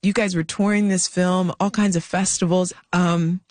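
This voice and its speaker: A woman's voice: on the low side, steady tone, normal speed, darkish tone, no room sound. A woman hosting an interview, chatty and encouraging, often laughing along with her guest. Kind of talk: conversational interview.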